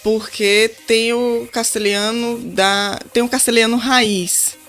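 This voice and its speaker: Brazilian accent, podcast guest, explanatory, patient, casual, mid pitch. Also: level tone, takes it slowly, a bit bright, soft background music. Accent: Brazilian Portuguese. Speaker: podcast guest, language teacher. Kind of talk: casual chat.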